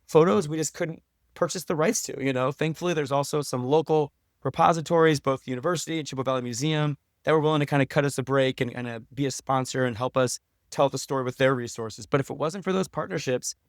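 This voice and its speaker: A man's voice: medium pitch, fast talker, no room sound, clean studio sound. A man talking casually and earnestly as a guest in an interview, often adding "you know" and "like". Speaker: podcast guest, professor and documentary maker. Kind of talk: casual conversational interview answers.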